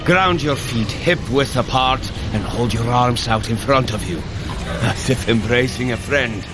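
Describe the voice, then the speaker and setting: A man's voice: mid-range voice, measured pace, music in the background, close to an everyday voice. An actor playing a bold, battle-eager male warrior god in a fantasy audio drama, speaking in commanding, formal heroic diction as he coaches a workout. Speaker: character coaching listener through a workout.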